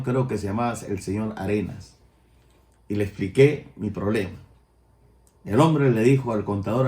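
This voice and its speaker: An older man with a Peruvian Spanish accent, preaching a sermon as pastor and rising loud on his key points. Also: fairly low pitch, echoey room. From Peru.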